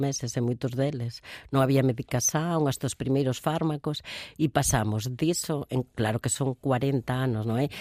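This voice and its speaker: A woman's very deep, low voice with a dark, mellow tone, fairly even intonation and a moderate pace. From Galicia, Spain (Tui, on the Portuguese border). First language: Galician/Spanish (speaking Portuguese). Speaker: infectious disease doctor. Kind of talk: interview. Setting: studio.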